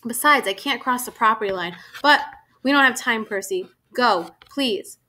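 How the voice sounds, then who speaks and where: A woman's voice: a little high, normal speed, sharp tone. A woman reading the part of a frightened mother, urging her son on with pleading urgency. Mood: urgent. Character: Percy's mother, anxious protective woman.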